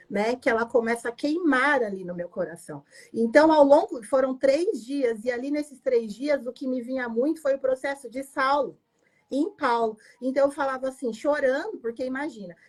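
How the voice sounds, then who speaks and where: A woman pastor tells her personal testimony in an emotional, emphatic way, often adding "né?". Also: high-pitched. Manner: emotional, emphatic storytelling with frequent "né?".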